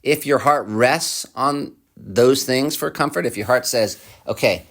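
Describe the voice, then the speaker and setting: A man's voice: medium pitch, measured pace, a bit bright. A man preaching a sermon in a conversational way, asking the listener repeated questions and reading quotes aloud. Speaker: pastor.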